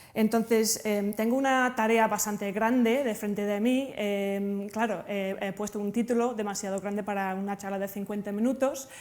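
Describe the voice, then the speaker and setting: A woman at a moderate pace with hardly any pauses, fairly high in pitch, monotone and flat, over noticeable background noise. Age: young. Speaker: art professor, researcher. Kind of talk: lecture. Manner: halting, many fillers.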